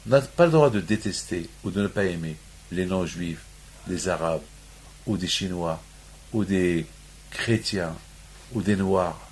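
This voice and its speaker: A man's voice: low-pitched, measured pace, pauses often, darkish tone, a little hiss or hum, poor audio. A man from Morocco giving a sermon on the weekly Torah portion, restating his points over and over and rising into emphatic peaks. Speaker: rabbi.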